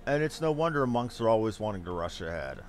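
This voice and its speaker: A man with a lowish voice, very animated and fast-talking, streams a game and rambles casually, thinking out loud throughout. Game music sits behind his voice.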